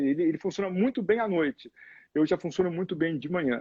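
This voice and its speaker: A man speaks at a moderate pace and a high pitch. His intonation is lively. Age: 60s. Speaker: psychiatrist, addiction expert. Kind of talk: interview conversation. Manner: hesitant, many fillers.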